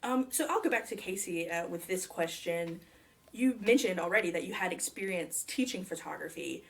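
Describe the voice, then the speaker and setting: A woman's voice: lowish voice, expressive, moderate pace, gravelly. A woman working as a librarian, asking questions in an oral history interview in a library.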